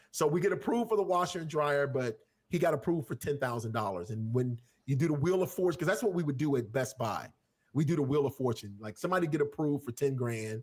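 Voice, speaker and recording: A man with an American accent talks at a very fast pace in a fairly high voice. He sounds somewhat breathy, with lively intonation. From Florida. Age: 50s. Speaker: former credit card fraudster. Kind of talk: interview storytelling. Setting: livestream.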